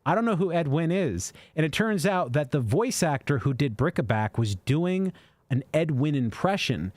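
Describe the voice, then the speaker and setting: A man's voice: a little high, lively intonation, normal speed, a little mellow, no echo. Rambling man reading viewer questions. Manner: rambling, reads super chats aloud with fillers. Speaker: co-host answering viewer questions. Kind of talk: casual livestream chat. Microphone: studio microphone.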